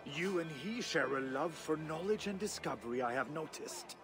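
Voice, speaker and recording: An actor playing an aging Viking king turned Christian, slow and gentle in manner, laughing often in a video game cutscene. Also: fairly high pitch, animated, over music, close to an everyday voice. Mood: calm.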